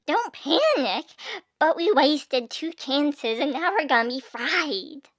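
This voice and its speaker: A woman's voice: high voice, animated, slow, no room sound, studio quality. A woman playing a fretful, wry female companion on a fantasy quest in scripted audio fiction. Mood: worried, wry.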